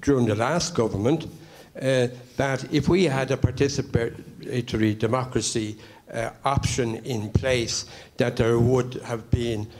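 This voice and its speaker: A middle-aged man from Ireland stands to speak from the floor of a public meeting, halting often with fillers as he builds his point. His voice sits at an ordinary middle pitch. He holds a handheld microphone in a large conference hall. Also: fairly even intonation, darkish tone. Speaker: convention member.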